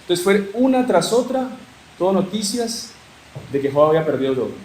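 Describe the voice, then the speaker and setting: A man with a Uruguayan accent gives a teaching talk, retelling scripture as a lively storyteller with joking asides. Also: sits high, normal speed. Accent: Uruguayan Spanish. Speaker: religious formation speaker. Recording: echoey room with faint hiss.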